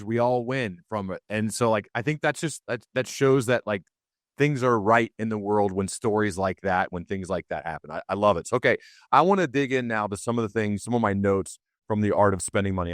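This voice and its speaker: Lower-pitched man hosting a podcast. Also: dry recording, clean studio sound. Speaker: podcast host, interviewer. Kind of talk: casual conversational interviewing.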